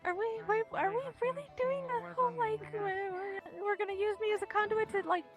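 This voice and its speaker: A woman plays a nervous young mage who stammers and hedges through every sentence. The voice is very high, with faint music behind. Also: steady tone, fairly quick. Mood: anxious. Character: anxious young female mage. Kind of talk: voice roleplay in a social VR world.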